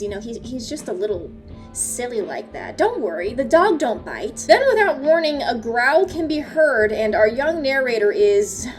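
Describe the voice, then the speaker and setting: A woman giving casual, joking video-essay commentary with a sarcastic, slangy delivery and mock-dramatic asides. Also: fairly high pitch. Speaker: host of an analog horror analysis video. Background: background music.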